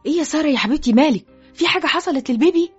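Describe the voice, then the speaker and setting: A woman's voice: high-pitched, very animated, rapid-fire, mellow, husky, soft background music, pitched above the performer's own voice, exaggerated voice. A woman voicing a worried, scolding middle-aged mother in Egyptian Arabic for an audiobook. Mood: alarmed. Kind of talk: audiobook character voice. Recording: dull, lo-fi audio.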